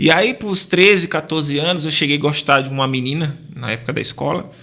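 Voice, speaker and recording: A man speaks in a normal speaking voice, fairly high in pitch. He moves at a fairly quick pace with ordinary pitch variation. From Northeast Brazil, Natal (Rio Grande do Norte). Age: 30s. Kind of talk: testimony.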